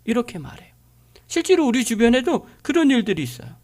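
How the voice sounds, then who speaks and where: A woman's voice: on the high side, sing-song, quick pace, darkish tone. A woman pastor delivering a sermon, driving her points home with frequent rhetorical questions.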